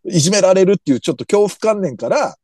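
A man's voice: high-pitched, fast, dry recording, clean studio sound. A man co-hosting a comedy podcast, chatting casually about anime characters in a chatty way, full of fillers. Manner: animated, chatty, hedging with fillers.

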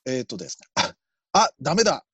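A man hosting a loose, friendly radio talk show, leaning on fillers and chuckling between thoughts. His voice sits a little high and has a husky edge, and his pitch moves about a lot. The sound is dry and close to the mic. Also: fast talker, dry recording. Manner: relaxed, laughs often, many fillers. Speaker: comedian and radio show host. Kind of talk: casual radio chat, reading listener posts.

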